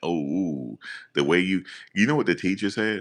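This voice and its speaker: A man with a very deep, low pitch and vocal fry speaks in an animated tone with lively intonation. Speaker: commentary livestream host. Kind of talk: casual livestream chat.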